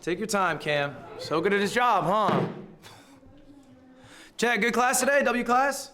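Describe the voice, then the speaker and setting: A man's voice: high voice, a little slow, sharp tone, a little hiss or hum. A young man streaming casually, joking and swearing freely as he talks to his chat and plays a professor. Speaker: streamer playing a university professor.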